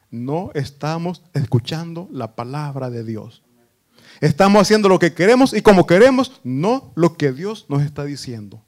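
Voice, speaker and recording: A man preaches a sermon in a high-pitched voice. He rises into emphatic, repeated phrases and then drops into low, quieter asides. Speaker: pastor.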